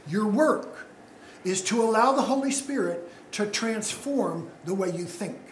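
A male pastor preaching a sermon, unhurried, putting questions to the congregation. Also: high-pitched, animated, echoey room, slight background noise, rough recording.

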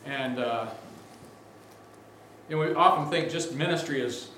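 Man, guest preacher, big voice, lively and conversational, slightly raised pitch, distant and very echoey sanctuary sound. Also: measured pace, slight background noise. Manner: energetic, conversational preaching with asides. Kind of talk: sermon. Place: large church sanctuary.

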